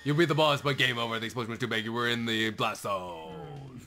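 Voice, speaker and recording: A man's voice: medium pitch, a little fast, pushed and bright. A young man co-hosting a gaming video, chatting casually and riffing with jokes and wordplay while watching an arcade game. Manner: jokey, riffing, playful wordplay. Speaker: co-host of a gaming show. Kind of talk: casual let's-play banter.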